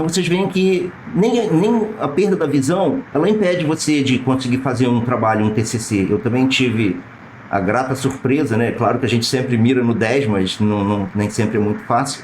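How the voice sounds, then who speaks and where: Medium-pitched male speech at a moderate pace, very wide pitch swings, very even loudness, audible room echo and noticeable background noise. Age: 50s. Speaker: law graduate, visually impaired speaker. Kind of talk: academic panel talk.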